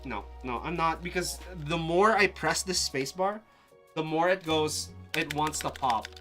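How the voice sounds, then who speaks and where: A live streamer trying out keyboards mutters to themself in a casual think-aloud, restarting sentences and breaking into sudden exclamations. The voice is mid-range with a sharp edge and an unhurried pace, and faint music plays in the background.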